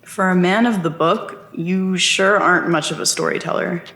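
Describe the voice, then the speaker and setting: A wary, skeptical searcher in an audio drama. His voice is high for a man, blunt and plainspoken, and recorded in an echoey space. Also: fairly even intonation, moderate pace, gravelly, bright, forceful tone, full character voice. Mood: guarded, skeptical. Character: blunt, wary nephew seeking his lost aunt. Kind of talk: scripted audio drama dialogue. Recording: echoey room.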